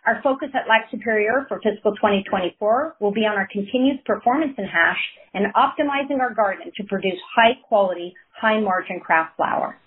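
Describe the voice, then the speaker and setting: A woman company executive giving a formal, scripted corporate presentation on an earnings call, in a measured business delivery. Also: medium pitch, slightly rough. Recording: narrow, tinny conference call line.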